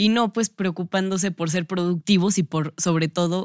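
A woman with a Mexican accent speaks at a fairly low pitch and a fairly slow pace, in a monotone, flat intonation. The recording is very clean with a silent background, and the sound is dry and close with no echo. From Mexico. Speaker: student activist. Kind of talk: casual interview.

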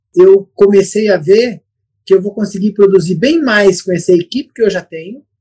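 A man with a high pitch and a dark, mellow tone speaks at a moderate pace with ordinary pitch variation and big swings in loudness. The sound is dry and close, with no echo. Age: 40s. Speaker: dental lab technician and trainer. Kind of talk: casual chat.

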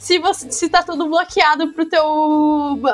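A woman's extremely high voice in a southern Brazilian accent, at a fairly slow pace. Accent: gaúcho (southern Brazilian). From Rio Grande do Sul, southern Brazil. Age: 20s. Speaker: community manager and master's student. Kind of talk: casual podcast interview.

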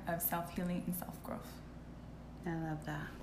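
A woman speaks at a fairly low pitch with vocal fry. Room echo is audible. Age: 20s. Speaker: nursing student. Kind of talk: testimony.

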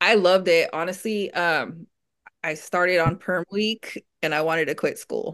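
Woman at medium pitch, unremarkable speaking voice, fairly even intonation, moderate pace, dry and close sound with no echo. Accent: American. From California, Bay Area. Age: 40s. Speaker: barber and educator. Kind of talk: casual chat.

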